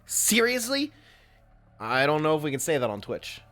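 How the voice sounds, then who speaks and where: A woman's voice: deep voice, huge pitch swings, moderate pace, fairly bright tone. A woman streaming a video game, jokey and playful, reading the dialogue aloud with dramatic reads.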